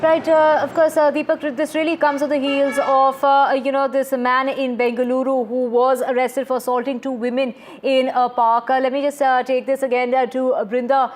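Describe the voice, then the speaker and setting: A woman's voice: high voice, flat delivery, normal speed, few pauses, slight background noise. A woman with an Indian accent anchoring live news and putting questions to reporters and guests.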